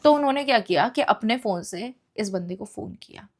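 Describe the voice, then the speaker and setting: A woman's voice: mid-range voice, fairly quick. A young woman telling a personal story in a casual, emotional monologue, mixing English phrases into her speech. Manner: emotional, expressive retelling.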